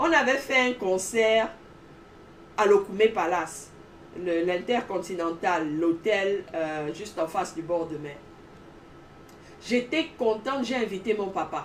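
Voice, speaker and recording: In a medium pitch and with lively intonation, a woman speaks at a very slow pace, leaving long, frequent pauses. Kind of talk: preaching advice talk. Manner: animated.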